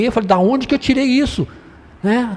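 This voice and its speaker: A man's extremely high-pitched voice at a fairly quick pace, with ordinary pitch variation. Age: 60s. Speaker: preacher. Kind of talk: sermon. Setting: church. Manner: casual, conversational.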